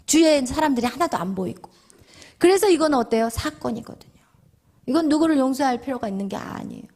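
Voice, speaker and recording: Warm-voiced woman pastor telling stories. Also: sits high, expressive, fast. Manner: vivid storytelling, dropping to hushed whispers for emphasis. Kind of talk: sermon teaching with personal story.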